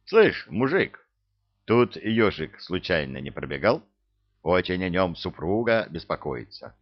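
A man's voice: sits low, big pitch swings, unhurried, muffled recording, full character voice. A man doing a wry army captain. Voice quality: easygoing, wry. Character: calm gruff army captain, dry humor.

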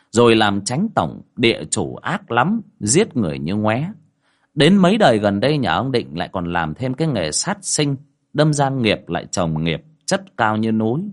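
A man narrating a ghost story in a dramatic manner, voicing the characters' dialogue. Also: mid-range voice.

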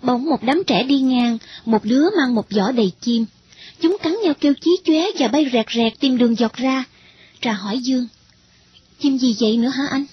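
A woman narrating a story in a lyrical, even reading. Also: on the high side, normal speed, breathy edge. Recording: dull lo-fi recording.

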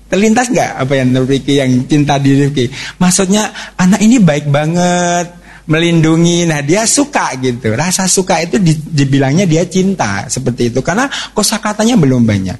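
A man with a slightly high voice holds a parenting seminar for mothers. He tells family anecdotes with lively energy and keeps turning to the audience as if chatting with them. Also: normal speed, slightly rough. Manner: lively storytelling, acts out family dialogue; conversational, addresses audience directly. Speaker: parenting speaker.

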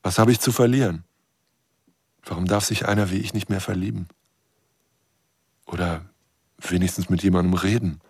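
An actor playing a lonely, lovestruck astronomer who muses to himself in a gravelly, husky voice in a radio drama. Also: male voice, low-pitched, steady tone, moderate pace, pauses often, darkish tone. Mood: brooding, wary. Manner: brooding, musing to himself. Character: lonely, lovestruck male astronomer, wary but yearning. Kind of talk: radio drama inner monologue.

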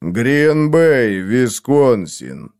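A man voicing a sullen, menacing scarred brute who growls slowly. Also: medium pitch, very animated, a little mellow, full character voice. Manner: growling, slow and threatening.

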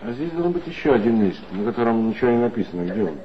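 A man's voice: mid-range voice, very animated, rapid-fire, a little hiss or hum, close to an everyday voice. An actor playing a terse, cool male police inspector in a 1960s radio play, speaking in short, clipped replies. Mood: cold. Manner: clipped, curt. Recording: dull lo-fi old radio recording.

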